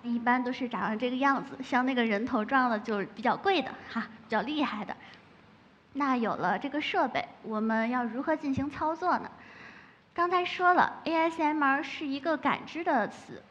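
A high-pitched woman gives a lively stage talk about her ASMR work and explains it with playful asides. Her voice rings through a large hall with a long echo. The sound is a little dull, with faint noise underneath. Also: moderate pace. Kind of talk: public talk.

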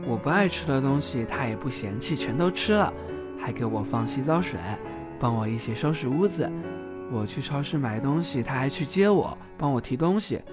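A man's voice: medium pitch, lively intonation, normal speed, over music, close to an everyday voice. A man playing a sweet, bashful, teasing young gay man in an audio drama. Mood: tender.

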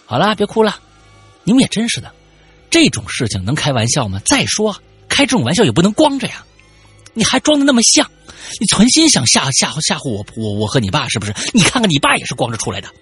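A man voicing a flustered mother who scolds and soothes her children in a raised, higher voice. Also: huge pitch swings, fast, fairly bright tone, slightly rough, faint music behind, exaggerated voice. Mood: scolding.

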